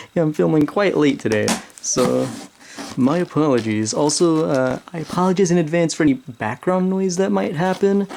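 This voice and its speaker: A quiet voice speaks at a moderate pace over noticeable background noise. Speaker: toy unboxing youtuber. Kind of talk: casual unboxing video.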